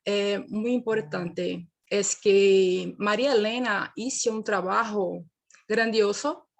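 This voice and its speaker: A Brazilian woman speaks in a fairly high voice, lecturing over a video call. She talks in a non-native, Portuguese-tinged way, pausing and restarting as she searches for words. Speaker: panel speaker.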